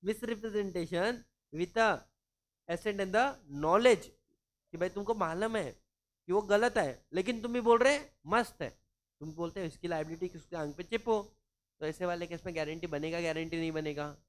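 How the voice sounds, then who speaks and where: A man's voice: sits high, unhurried. A man from Maharashtra, teaching law in a chatty, informal lecture, mixing in English and acting out anecdotes. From Maharashtra, India. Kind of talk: casual classroom lecture.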